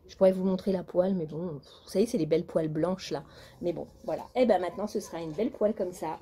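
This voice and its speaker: A woman's voice: fairly low pitch, fast talker, background noise. Chatty complaining woman vlogger. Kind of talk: casual chat.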